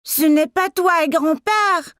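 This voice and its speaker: A cheerful little cartoon boy of four, with a very high voice and unhurried, slow delivery. He sounds innocent, curious and eager. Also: fairly bright tone, no room sound, studio quality, heavily acted. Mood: curious, excited. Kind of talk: children's cartoon dialogue.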